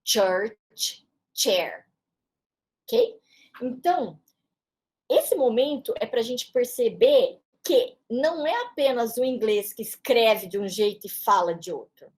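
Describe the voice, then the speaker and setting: Woman teacher w a são paulo accent, fairly high voice, talks slow and patient, keeps checking in w the class. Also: lively intonation, a little mellow. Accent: São Paulo Brazilian Portuguese. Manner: explains patiently, checking in with short tag questions. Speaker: English teacher. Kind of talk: classroom-style lesson explanation.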